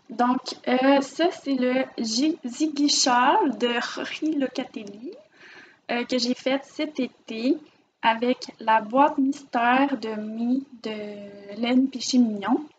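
A woman's voice: fairly high pitch, lo-fi sound, slight background noise. A woman with a Quebec French accent, chatting casually on camera as she shows off her finished knitting projects. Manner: chatty, rambling, warm about her projects. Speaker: knitting vlogger. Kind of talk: casual show-and-tell vlog. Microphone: camera mic, filming herself.

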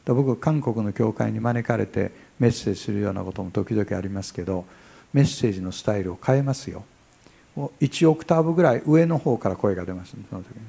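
Older japanese pastor giving a sermon, gravelly and kinda husky, jokey, quiet then suddenly loud. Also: male voice, lowish voice, fast. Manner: chatty and humorous, acts out dialogues, shifts from quiet to loud.

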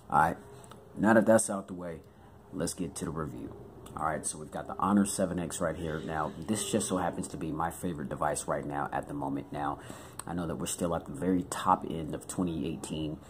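Man, extremely low voice, hoarse, chatty tech reviewer, faint hiss behind. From United States. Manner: chatty with many fillers. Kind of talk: casual product review.

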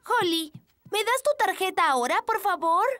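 A woman's voice: very high voice, lively intonation, normal speed, bright, forceful tone, exaggerated voice. A woman with a Latin American Spanish accent voicing a friendly, eager little elf boy in a children's cartoon, in a childlike way. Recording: music behind.

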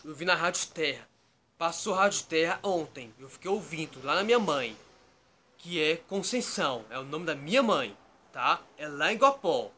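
A man's voice: fairly high pitch, sharp tone, slight background noise. A man rambling to his webcam from his bedroom, tagging nearly every phrase with "tá?" or "né?". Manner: repeats "tá?" and "né?" constantly, loose digressive storytelling. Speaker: YouTube vlogger. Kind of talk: rambling casual talk to camera. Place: bedroom at home, indoors.

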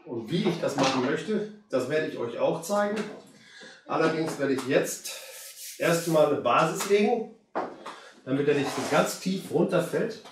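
A hoarse man in his fifties with a cold, chatting casually to viewers as he works on a plant. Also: fairly high pitch, a little slow, distant mic, noisy background. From Germany. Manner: relaxed, chatty, addresses viewers directly. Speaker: bonsai hobbyist. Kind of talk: casual how-to commentary while working. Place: indoor room with curtain backdrop. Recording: very echoey room, voice off-mic.

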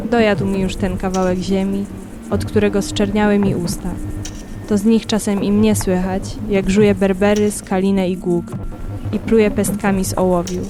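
A woman reciting poetry for an audio drama in measured, solemn, short phrases, with music behind her. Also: mid-range voice.

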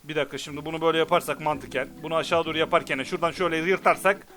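A man giving let's play commentary, excitable and often frustrated and cursing. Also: fairly high pitch, racing. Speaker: gamer. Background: game music.

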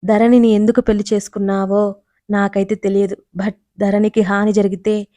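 A woman's voice: mid-range voice, level tone, normal speed, dark tone, no room sound, lightly acted. A woman reading the lines of a serious, protective young man who speaks with heat. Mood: angry, serious. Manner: serious, heated.

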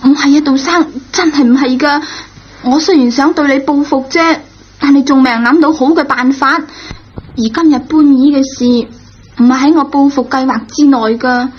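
High-pitched, contrite schoolgirl played by a woman. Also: fairly even intonation, normal speed, close to an everyday voice. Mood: earnest confession. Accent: Cantonese. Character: contrite, naively frank teenage schoolgirl. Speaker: radio drama actor. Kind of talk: radio drama acting. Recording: dull lo-fi old radio recording.

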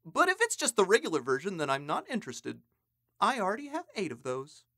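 A young cartoon gamer, excitable and snobbish. The voice is sharp and very animated, in a dry recording. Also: male voice, high voice, fairly quick, dry recording, heavily acted. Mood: dismissive. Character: excitable, snobbish young video game fanatic. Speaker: voice actor. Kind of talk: comic character acting in a demo reel.

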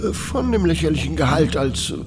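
An actor playing a middle-aged shady crook, nervous and insinuating, with hesitant delivery in a radio drama. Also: male voice, a little high, sing-song, moderate pace, noisy background. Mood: evasive.

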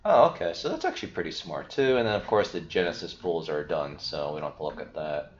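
A man's voice: low-pitched, lively intonation, quick pace. Chatty young man in a roomy room. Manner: chatty, filler-heavy, explaining as he goes. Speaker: crypto video host. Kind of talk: casual screen-share walkthrough. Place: small room indoors. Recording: roomy, dull lo-fi sound.

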